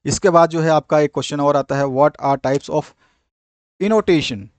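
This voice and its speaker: Man, exam-prep teacher, slightly high voice, dry close sound, slow English definitions, frequent filler phrases. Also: no echo. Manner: explains in Hindi, slowly reading out English definitions; repeats filler phrases like "thik hai" and "jo hai".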